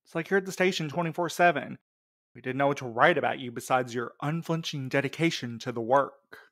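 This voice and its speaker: A man's voice: mid-range voice, fairly quick, a bit bright, dry recording, clean studio sound, natural voice. A man playing a frank, casual, slightly defensive courier in an audio drama, in a conversational way. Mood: sheepish, defensive. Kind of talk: scripted audio drama acting.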